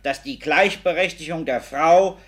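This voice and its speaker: Schauspieler als polternder Familienvater, eher hohe Stimme. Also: male voice, a little high, measured pace, natural voice. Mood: indignant, pompous. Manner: blustering, pompous. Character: pompous, indignant patriarchal family father. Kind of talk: 1950s radio family comedy acting.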